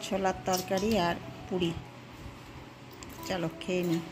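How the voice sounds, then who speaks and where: A woman's voice: on the low side, little pitch movement, a little slow, music in the background. A woman vlogging at home, chatting to viewers and coaxing her cat in doting baby talk. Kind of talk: casual home vlog.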